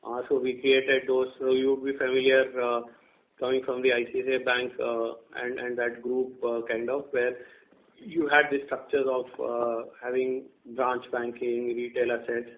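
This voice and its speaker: The speaker, an Indian-accented man acting as a bank executive, answers on a telephone conference call in a mid-range voice with little pitch movement. His semi-formal explanation is halting, full of hesitations and repeated words, on a thin, narrow-band line.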